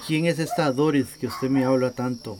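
A man working as a community radio reporter, reading a news report in a measured, deliberate way and interviewing a guest. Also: mid-range voice, fairly even intonation, background noise.

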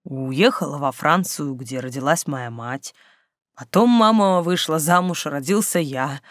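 Reader putting on a self-assured sporty teen boy: calm, firm, a touch lower, dry. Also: measured pace, dry recording, lightly acted. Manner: calm, matter-of-fact.

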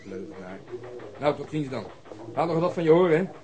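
An actor playing a wry, fond police colleague with a teasing manner in a radio drama. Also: male voice, a little high, big pitch swings, brisk, mellow.

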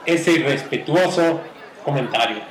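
A man with a Mexican accent playing a righteous, fussy, over-polite gentleman in an old-fashioned radio play. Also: fairly high pitch, measured pace, close to an everyday voice. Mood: offended, scolding. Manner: pompous, formal, over-polite diction. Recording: roomy, noisy ambience with crowd behind.

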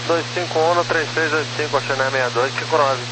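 A man's voice: fairly high pitch, fairly even intonation, fast talker. A man with a Brazilian accent making clipped pilot calls over a two-way radio, like on a walkie-talkie. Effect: heard over two-way radio, like a walkie-talkie. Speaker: pilot on air traffic radio. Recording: humming, noisy two-way radio transmission.

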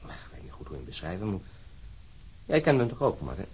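Radio crime drama: argumentative male policeman, wry and musing, low husky voice with lively swings. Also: fast talker, heavily acted. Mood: subdued.

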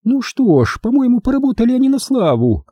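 A man putting on a shrill fussy old granny. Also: very animated, a little fast, mellow, husky, no room sound, studio quality, exaggerated voice. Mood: grumbling. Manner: shrill and exclaiming. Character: fussy excitable old grandmother.

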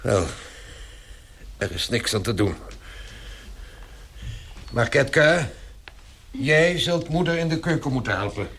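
An actor playing a stern, practical middle-aged father in a radio drama, with a measured, authoritative manner. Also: mid-range voice, expressive, a bit bright, a little hiss or hum. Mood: resigned.

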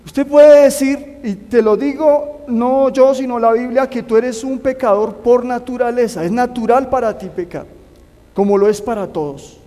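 A man's voice: very high-pitched, moderate pace, mellow. A man preaching a sermon, earnestly urging his listeners to put their trust in God. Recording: long hall reverb.

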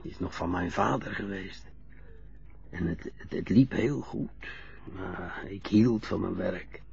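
A gravelly, guilt-ridden old widower. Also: male voice, deep voice, a little mellow, lo-fi sound, heavily acted. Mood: nostalgic. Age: older. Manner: halting, hesitant, confessional. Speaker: old man being helped to dress. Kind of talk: radio drama acting.

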